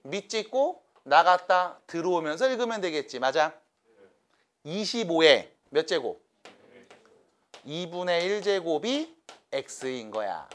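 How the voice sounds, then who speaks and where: A man's voice: on the high side, very animated, takes it slowly, long pauses, fairly bright tone. A man teaching a math class to students, coaxing and checking in with them by name.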